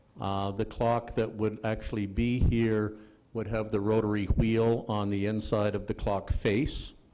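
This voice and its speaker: A man speaks at a fairly slow pace in a fairly low, flat monotone, with audible echo from the room. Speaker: community club treasurer. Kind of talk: presentation to council. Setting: council chamber. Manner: hesitant, many fillers; loud.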